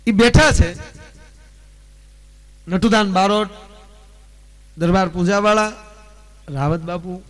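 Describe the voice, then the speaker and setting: Man, Kathiawadi Gujarati accent, folk storyteller, somewhat high voice, dramatic swings in volume. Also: slow pace, pauses often. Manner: dramatic, swings between loud declamation and soft asides. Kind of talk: dayro folk storytelling with jokes.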